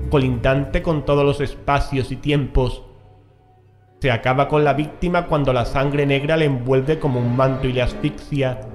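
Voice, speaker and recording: A man reading an occult text aloud as part of a scripted horror audiobook. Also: medium pitch. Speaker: audiobook reader.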